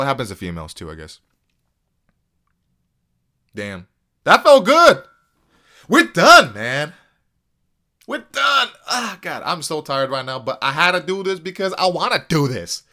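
A man from the United States hosts a loose solo podcast in a rambling, casual way. His pitch moves around a lot, and he swears freely. His voice sits at an ordinary middle pitch. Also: pushed and bright. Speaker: podcast host.

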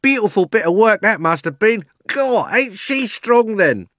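Storybook crowd member: Cockney, impudent, loud, high-pitched, dry sound. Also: male voice, expressive, unhurried, no echo, full character voice. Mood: cheeky, excited. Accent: London Cockney. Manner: cheeky, jeering. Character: cheeky, admiring London street onlookers.

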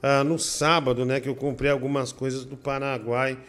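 A man's voice: mid-range voice, little pitch movement, normal speed, fairly bright tone. A man hosting a live stream in casual chat, rambling and tagging his talk with "né?" while he shows things to the camera. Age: adult with a daughter. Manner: rambling, full of "né?" and "ó" tags.

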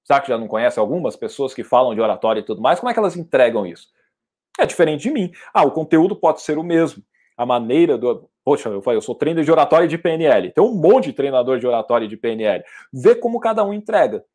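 Male oratory trainer, casual Q&A teaching, emphatic with loud bursts. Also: mid-range voice, fast talker, slightly rough. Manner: lively and emphatic, with sudden loud outbursts. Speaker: public speaking and NLP trainer. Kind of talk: casual teaching, answering audience questions.

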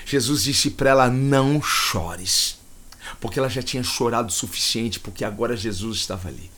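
A man's voice: medium pitch, quick pace, a bit bright, slightly rough. A man with a Brazilian accent preaching a livestreamed sermon, fervent and repetitive, with emotional swells in his voice. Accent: Brazilian Portuguese.

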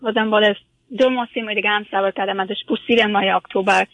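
Female caller, mid pitch, dry sound, halting speech. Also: fairly even intonation, fairly bright tone, no room sound, lo-fi sound. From Afghanistan. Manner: hesitant, many fillers, mixes in English words.

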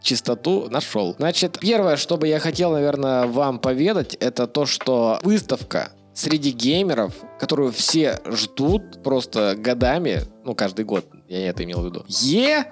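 A man's voice: mid-range voice, very animated, moderate pace, hardly any pauses. A young man co-hosting a podcast, running through news in an informal, joking manner with some mild swearing. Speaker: podcast co-host. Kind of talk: casual news chat. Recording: background music under the voice.

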